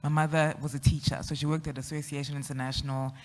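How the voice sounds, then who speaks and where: A woman with a South African accent, an outgoing panelist sharing her career journey with quick laughs. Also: low-pitched. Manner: extroverted, lively, quick to laugh. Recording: echoey hall.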